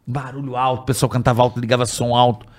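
Rapid-talking man rambling anecdotes. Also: medium pitch, flat delivery. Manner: rambling anecdotes with sound effects. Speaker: podcast host. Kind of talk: casual podcast chat.

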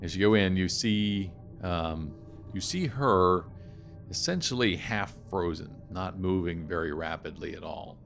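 Very low-voiced male game master. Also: measured pace, creaky, fairly bright tone. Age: middle-aged. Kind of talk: improvised tabletop game narration. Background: music.

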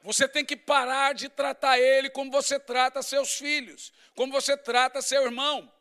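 High, bright-voiced preacher man. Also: moderate pace. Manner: animated, humorous storytelling, swings from loud to hushed. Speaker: pastor. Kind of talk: sermon.

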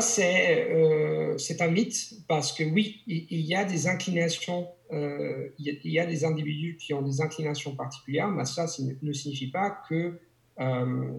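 Guy teaching languages, bit of fry in the voice, lots of uhs and restarts, roomy echo. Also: a little high, normal speed. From Italy. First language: Italian. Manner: hesitant, frequent restarts and fillers. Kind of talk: conversational interview.

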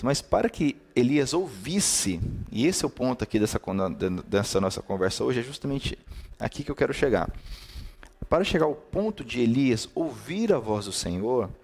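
A man's voice: medium pitch, a little mellow. A man with a Brazilian Portuguese accent preaching in a live-streamed devotional talk. He talks conversationally, repeats key words in lists and greets viewers by name between points.

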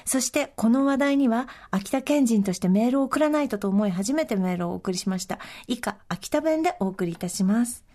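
A woman's voice: a little high, expressive, a little fast, few pauses, warm tone. A middle-aged woman from Akita co-hosting a podcast, chatting casually and reading listener mail in a polished announcer's delivery. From Akita, Japan. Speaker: podcast co-host.

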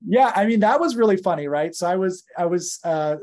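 This podcast guest, a founder in his thirties with a North American accent, recounts his story conversationally, filling it with fillers and self-corrections. His voice sits high, sounds expressive and darkish, and moves fairly quickly.

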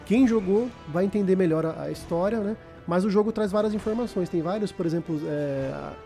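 A man's voice: high voice, warm tone. A man with a Brazilian Portuguese accent explaining a video game in casual, informal podcast talk, repeating words as he goes.

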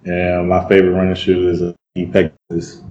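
A man's voice: sits low, monotone, moderate pace, mellow, slight background noise. A man from Georgia, a podcast guest, talking modestly with hesitant ums. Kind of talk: casual podcast chat. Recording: dull, echoey room sound.

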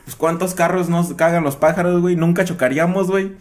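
A man's voice: on the high side, fast talker. A young man with a Mexican Spanish accent in a casual chat, joking in slang and laughing often.

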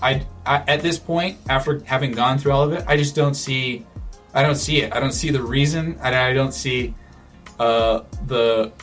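A man speaks at an ordinary middle pitch in relaxed conversation, pausing and restarting as he works out his thoughts. Faint music plays softly behind him. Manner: thoughtful, with frequent restarts and fillers. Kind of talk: casual conversational chat.

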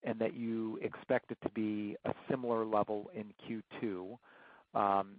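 A man working as a financial analyst, asking questions haltingly on an earnings call over the phone. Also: on the low side, little pitch movement, no room sound. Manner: halting, hedging, piecing questions together. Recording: thin, band-limited phone line, dry.

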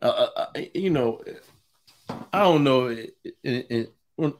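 Animated podcast co-host man, trailing off. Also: a little slow. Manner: trailing off, stumbling restarts, low-key interjections. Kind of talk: casual chat.

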